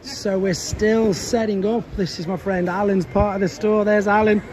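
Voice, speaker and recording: A man's voice: high voice, steady tone, normal speed, darkish tone. Chatty British man vlogging on his phone. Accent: British English. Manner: chatty, upbeat, a little tired. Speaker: toy seller and YouTuber. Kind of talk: casual vlog to camera. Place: bedroom, then car, car park and big indoor exhibition hall. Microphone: phone held at arm's length. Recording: phone audio with hall noise.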